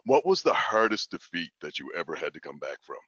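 Deep booming man, bright tone, lo-fi call audio. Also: big pitch swings, brisk, no echo. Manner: polite, easygoing. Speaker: caller.

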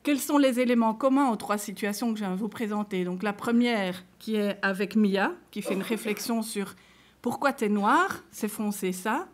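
A woman's voice: mid-range voice, moderate pace, few pauses. A woman with a Belgian French accent giving a conference talk, speaking conversationally to the audience and reading example cases aloud. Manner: conversational, addresses listeners directly and reads case examples aloud. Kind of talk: lecture to a live audience.

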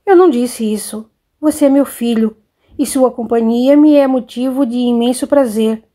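A woman voicing a worried, gentle mother in an audiobook, coaxing her son with concerned questions. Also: a little high, normal speed, close to an everyday voice.

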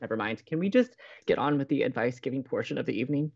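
A woman's voice: rumbling low, animated, racing, gravelly, a little mellow, husky, dull audio, heavily acted. A woman playing an easily exasperated young college radio co-host in an audio drama, with an emphatic, melodramatic manner. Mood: hurt, sarcastic.

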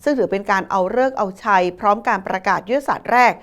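A woman's voice: mid-range voice, lively intonation, fast. A woman news presenter delivering a scripted local news report in a polite, formal manner.

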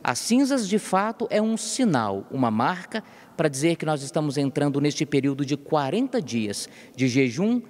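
A man's voice: fairly high pitch, big pitch swings, normal speed, few pauses. A man in his thirties with a Brazilian Portuguese accent, a parish priest explaining with preacherly emphasis, speaking into a handheld mic inside a church. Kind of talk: explanatory interview answer. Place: church interior. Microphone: handheld reporter mic. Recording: long church reverb.

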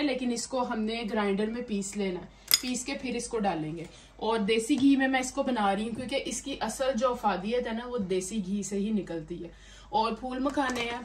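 A woman with a fairly high voice talks casually through a home recipe, explaining every step to her viewers. She sounds a little away from the mic. The kitchen noise behind her is clear. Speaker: home cooking host. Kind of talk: casual cooking demonstration. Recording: distant mic with noisy kitchen background.

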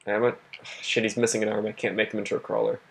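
A young man with a husky, worn voice that he is losing, giving casual gameplay commentary, swearing and talking to himself. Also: on the low side, level tone, quick pace. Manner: swears a lot, laughs often, talks to himself. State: losing his voice. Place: home at night.

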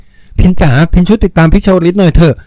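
A man reading aloud, voicing a shy young woman in love, with a soft, raised, trembling voice. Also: high-pitched, fast, dry recording, voice pushed up, close to an everyday voice. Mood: pleading.

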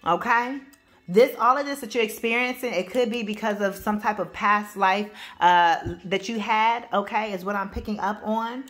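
A woman with AAVE speech giving a spiritual reading to camera, loud and powerful, blunt and emphatic, cursing freely and restarting her sentences. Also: mid-range voice, fairly even intonation, moderate pace, soft background music. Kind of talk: casual spoken reading to camera.

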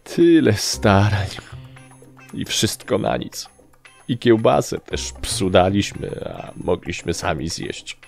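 A man voicing a small, gloomy male sprite sidekick, whiny and excitable, in an audiobook. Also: on the low side, slow, gravelly, faint music behind, heavily acted. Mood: whining. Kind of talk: audiobook character acting.

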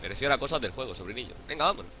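A man's voice: mid-range voice, expressive, rapid-fire, sharp tone, a little hiss or hum. A hungover man with an accent from Spain giving casual, jokey, foul-mouthed gameplay commentary. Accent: Spanish (Spain). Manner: crude, jokey, profane slang. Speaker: gaming YouTuber.

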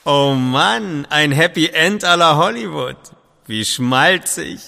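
An actor playing a jaded, sarcastic mocker in a horror radio play. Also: male voice, fairly high pitch, expressive, takes it slowly, creaky, long reverb tail, heavily acted. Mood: sneering. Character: jaded, sneering mocker of sappy endings.

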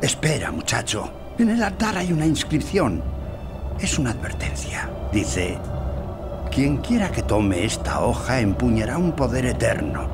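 A gruff older dwarf warrior in a video game, loyal but admonishing. His pitch swings widely as he voices concern. Music plays clearly behind him. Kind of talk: video game character acting.

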